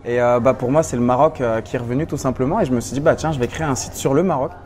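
A man's voice: medium pitch, rapid-fire, darkish tone, slight background noise. A young man from Morocco, guest in a casual interview at a seminar, answering in a hesitant, easygoing way with many fillers. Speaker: guest blogger. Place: seminar venue.

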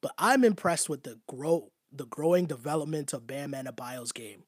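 A man's voice: fairly high pitch, lively intonation, normal speed, dry recording, studio quality. Man with a strained, fading voice. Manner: conversational, repetitive, often asks "right?". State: losing his voice. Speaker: basketball show host. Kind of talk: casual sports commentary to a live chat.

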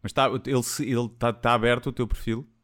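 A man's voice: medium pitch, flat delivery, quick pace, fairly bright tone. A man chatting casually, joking dryly and explaining things. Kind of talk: casual chat.

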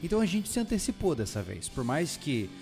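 A man hosting a casual podcast, relaxed and joking, recorded in a bare new house whose room still echoes. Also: a little high, brisk, vocal fry, soft background music. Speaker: podcast host. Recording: long echo from a bare room.

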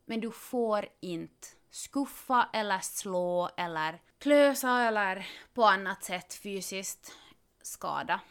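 A woman talks about family life in a relaxed, chatty podcast style. Her middle-pitched voice carries a steady gravelly fry. She tells stories in lively bursts, full of quick asides. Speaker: parent of three expecting a fourth. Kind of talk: casual podcast conversation.

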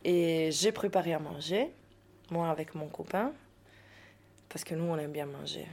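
Woman speaking french, bit low voice, laughs a lot, looks for words sometimes. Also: measured pace. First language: Italian. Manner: lively, laughs often, searches for words. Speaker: staff member at a youth shelter. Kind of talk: casual radio interview.

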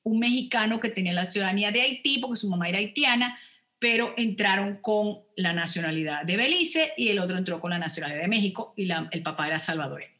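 A woman's voice: mid-range voice, fast, bright, forceful tone. A woman, an immigration lawyer explaining the rules on a radio advice program, stopping often to check with "ok?". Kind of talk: radio call-in advice talk.

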